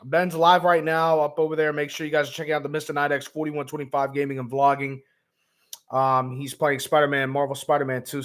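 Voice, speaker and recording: A man who is hoarse and raspy, hosting a laid-back gaming vlog livestream with lots of ums, talking to viewers as man and bro. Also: mid-range voice. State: hoarse, lost voice. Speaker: gaming vlogger host. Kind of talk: casual livestream chat.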